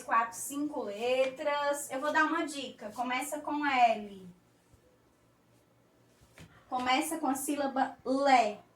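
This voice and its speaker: A Brazilian woman teaching a recorded class for young children, in slow, coaxing, sing-song teacher talk. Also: high voice, echoey room, recorded from a distance. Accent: Brazilian Portuguese.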